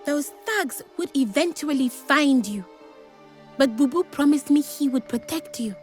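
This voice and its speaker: A woman's voice: high-pitched, animated, unhurried, soft background music. A woman acting a fiery, scornful young gangster's lover in a video game, emphatic and melodramatic. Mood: regretful, firm.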